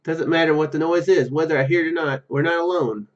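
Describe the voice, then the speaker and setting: A man's voice: fairly high pitch, quick pace. A man reading a game's narration aloud and adding casual commentary as a gaming video host, on a slightly lo-fi microphone.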